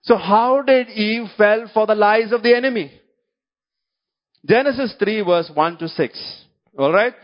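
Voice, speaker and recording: A high-pitched man preaching a sermon, with a Malayali Indian English accent from a speaker whose first language is Malayalam. He restates his points, restarts his sentences and keeps checking in with the congregation. The recording is dull and lo-fi. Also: unhurried. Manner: checks in with the congregation through repeated short questions; repeats key phrases and restarts his sentences.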